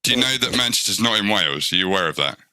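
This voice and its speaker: Very bright-voiced, sarcastic man. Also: on the low side, expressive, racing, no room sound. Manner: dry, sarcastic. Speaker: English teacher on a live panel. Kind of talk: casual bantering chat.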